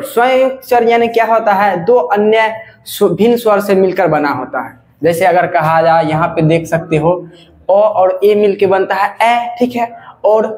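High-voiced male teacher, echoey room. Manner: repeats "ठीक है" often, drawls example sounds slowly. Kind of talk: classroom grammar lesson.

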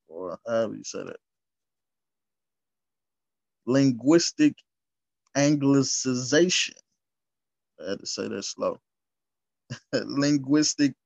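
A man hosting a history channel, reading source texts aloud and explaining them, slow and deliberate, stumbling over long words and adding casual asides. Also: medium pitch, no room sound. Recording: dull lo-fi recording.

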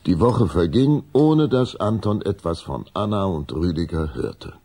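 Deep, gravelly male storyteller. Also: expressive, unhurried, dark tone. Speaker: narrator. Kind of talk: scripted storybook narration for children's audio drama.

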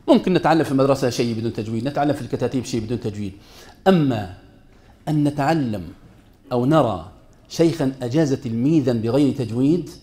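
A man's voice: medium pitch, warm tone. A man teaching a class on Quran recitation rules, speaking emphatically and putting rhetorical questions to his students. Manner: mixes formal Arabic with colloquial asides.

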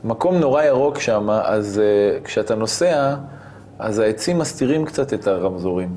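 A man as an interview guest, telling a personal story in an animated way and acting out the scenes he describes. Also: on the low side, a little hiss or hum.

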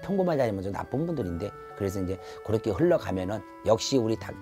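In an indoor shrine room, a shaman in his fifties gives an earnest, advisory zodiac fortune reading to camera, repeating his phrases as he goes. His lowish voice is very animated and fast, picked up by a lapel mic with background music playing.

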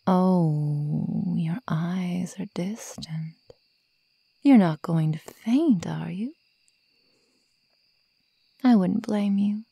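A woman playing a sadistic female werewolf toying with human prey in a breathy, menacing, mockingly sweet ASMR roleplay whisper. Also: lowish voice, drawn-out words, long pauses, warm tone, dry recording, studio quality, heavily acted. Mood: gloating, sadistic.

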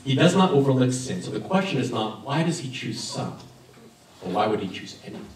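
A pastor in his thirties preaches in a church sanctuary, telling a story in a chatty, animated way. His mid-pitched voice carries through a heavily echoing room. It is picked up from a distance, away from the mic. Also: brisk, a little hiss or hum. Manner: animated, conversational, gesturing at a lectern. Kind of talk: sermon with personal story. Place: church sanctuary with stained glass, indoors. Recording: very echoey room from far off.

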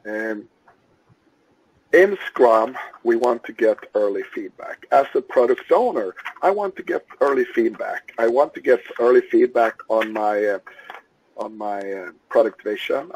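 A man from Sweden, a native Swedish speaker, giving a webinar lecture in English on product work, pausing often with uhs and ums. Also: mid-range voice, a little mellow, breathy edge, muffled recording. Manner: halting, many uhs and ums. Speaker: Scrum trainer. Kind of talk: webinar lecture over slides.

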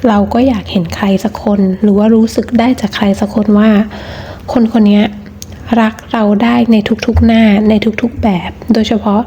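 A woman giving a casual tarot reading, talking in a gentle, chatty way with frequent restarts. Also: a little high, little pitch movement, normal speed, lo-fi sound, a little hiss or hum. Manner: chatty, repeats words and restarts often. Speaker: tarot reader.

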